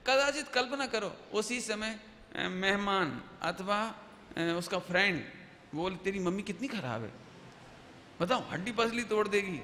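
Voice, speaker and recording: A male preacher giving a lively sermon-lecture, asking the audience questions and acting out everyday examples. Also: high voice, a little slow. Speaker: Jain preacher. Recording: echoey hall, faint background noise.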